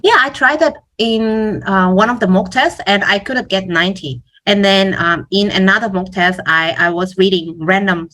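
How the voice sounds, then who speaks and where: A woman's voice: medium pitch, moderate pace, hardly any pauses, pushed and bright. A woman test coach talking casually in a question-and-answer discussion, hesitantly, often repeating words as she goes.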